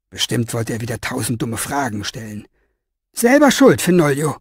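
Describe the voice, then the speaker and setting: A man's voice: medium pitch, dry recording, studio quality. Man reading a German audiobook. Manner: expressive storytelling with lively inner voice. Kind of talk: audiobook narration.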